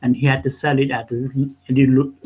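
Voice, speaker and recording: A man from Nepal speaking as an accountant and interview guest, telling his story conversationally in a halting way with repeated words. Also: mid-range voice, flat delivery, darkish tone, husky, rough recording.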